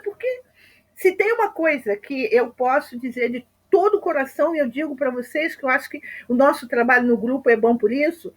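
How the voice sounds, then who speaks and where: A woman leading a group who tells a personal story in a chatty, halting way. She keeps checking in with her listeners through short tag questions. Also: high voice. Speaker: group facilitator.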